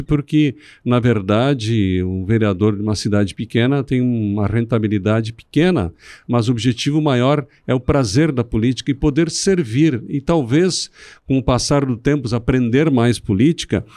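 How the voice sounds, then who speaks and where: A middle-aged man from southern Brazil, a city councilman guest on a podcast, speaking in a measured, speechifying way with some restarts. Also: medium pitch, dark tone, no room sound, clean studio sound. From Rio Grande do Sul, Brazil. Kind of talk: podcast interview.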